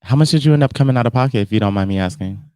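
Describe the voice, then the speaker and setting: A man's voice: mid-range voice, rapid-fire, a little mellow, clear, resonant tone, dry recording, clean studio sound. An American man chatting casually as a talk show co-host, with a sassy, slangy manner. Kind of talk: casual chat.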